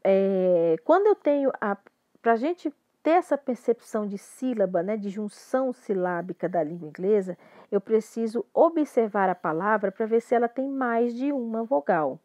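A woman's voice: mid-range voice, animated, normal speed, dark tone, no echo. A woman with a Brazilian Portuguese accent teaching an English grammar lesson, patiently explaining and often checking that students follow. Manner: patient, repeats and checks understanding.

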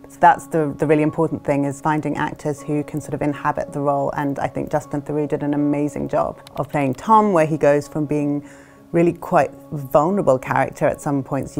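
A middle-aged woman author talking thoughtfully about a film adaptation, with frequent restarts and soft hesitations. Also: sits low. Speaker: author discussing her novel's film adaptation. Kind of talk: reflective interview talk. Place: studio with plain backdrop.

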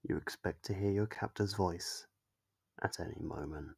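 Male narrator for ASMR horror story: deep, husky, close and dry on the mic. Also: normal speed, a little mellow, no room sound. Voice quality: low, gravelly, husky. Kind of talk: scripted second-person ASMR horror narration. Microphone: close, dry microphone.

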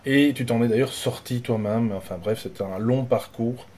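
A man's voice: medium pitch, moderate pace, darkish tone, slight background noise. A man in his forties hosting a casual interview from a small home room, talking hesitantly with many fillers and restarts. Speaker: host.

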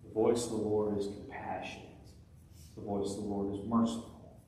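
A young adult man preaching a sermon as a pastor, his voice climbing high on emphatic points. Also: little pitch movement, normal speed, warm tone. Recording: very echoey hall, distant mic, faint noise.

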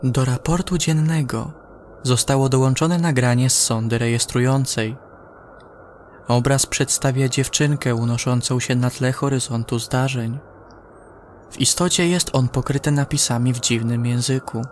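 A man narrating a scripted science-fiction horror story in a measured way, with dramatic pauses. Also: medium pitch, a little hiss or hum.

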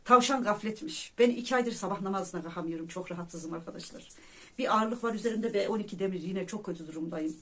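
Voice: medium pitch, fast talker. A vlogger earnestly telling viewers about their own dreams and visions, often addressing them as friends. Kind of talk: casual personal storytelling to viewers.

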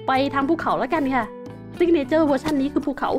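A woman's voice: high-pitched, a little fast, music in the background. A young woman hosting a survival game video, chatting to viewers and exclaiming as she explores. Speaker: game host. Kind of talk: casual Let's Play commentary.

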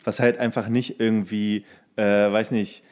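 A man's voice: fairly low pitch, little pitch movement, unhurried, a little mellow. A man co-hosting a podcast, chatting casually and retelling things in a rambling way, acting out quotes as he goes. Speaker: podcast co-host. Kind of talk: casual chat about films.

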